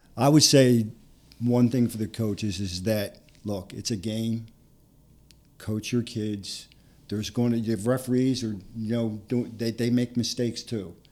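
With a Philadelphia accent, a man speaks at medium pitch and a fairly slow pace, his intonation fairly even and his pauses long and frequent. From Philadelphia, Harrogate section. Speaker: lacrosse referee and assigner. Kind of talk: interview. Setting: studio.

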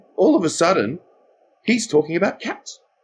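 With an Australian accent, a man talks at a fairly quick pace in an animated tone. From Australia, Sydney. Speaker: fight choreographer and stunt double. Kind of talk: casual chat.

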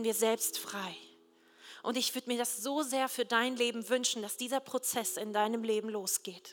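The woman's voice sits high in pitch, with ordinary pitch variation. She speaks at a moderate pace. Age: 30s. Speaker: pastor. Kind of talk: sermon.

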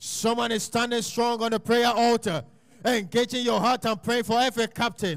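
His voice sits high in pitch. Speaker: prayer leader. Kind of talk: fervent intercessory prayer. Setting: church. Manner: halting with frequent 'uh' fillers.

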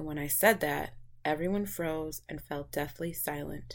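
A woman speaks in a dramatic tone with vocal fry. The recording is very clean, with a silent background. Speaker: podcast host and book reader. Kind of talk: literary audiobook reading of a memoir, with conversational podcast intro and outro.

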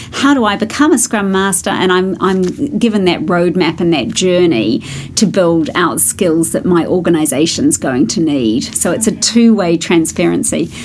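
With a New Zealand accent and noticeable background noise, a woman speaks at a moderate pace and a fairly low pitch, with very wide pitch swings. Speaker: company founder and CEO, organizational psychologist. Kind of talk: interview. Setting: in person in Stockholm.

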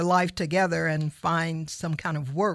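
A woman with an unremarkable speaking voice talks at a fairly slow pace, fairly low in pitch and with fairly even intonation, on a very clean recording with a silent background. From Oklahoma City. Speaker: retired broadcast journalist. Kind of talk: interview. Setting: studio.

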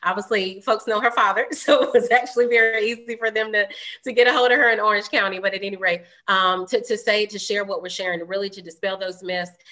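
In an American accent, a woman talks at a very fast pace with a fairly high pitch and a bright, sharp tone. Her intonation stays fairly even while her loudness swings widely. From Greensboro, North Carolina. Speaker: state senator. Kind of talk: interview.

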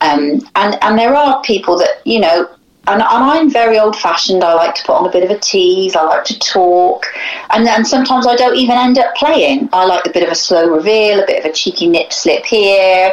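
Over noticeable background noise, a woman speaks at a fairly quick pace with a fairly high pitch, lively intonation, and very even loudness. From Wales. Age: 50s. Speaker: podcast guest. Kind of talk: casual phone interview, personal storytelling. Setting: phone call. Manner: chatty, humorous.

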